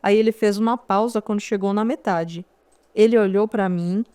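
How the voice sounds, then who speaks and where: A woman's voice: mid-range voice, fairly even intonation, normal speed, dark tone, clear, resonant tone, no room sound. A woman with a Brazilian Portuguese accent reading a first-person memoir audiobook in a conversational storytelling manner, with wry asides to the listener. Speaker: audiobook narrator.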